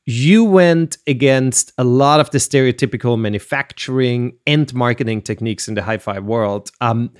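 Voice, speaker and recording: A man hosting a podcast interview, enthusiastic and quick to laugh. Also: medium pitch. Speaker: podcast host.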